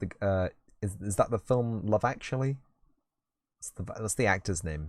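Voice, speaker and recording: On a very clean recording with a silent background, a man with a British accent speaks at a moderate pace with a fairly low pitch, ordinary pitch variation and big swings in loudness. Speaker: game developer streamer. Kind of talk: casual live stream chat. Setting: live stream.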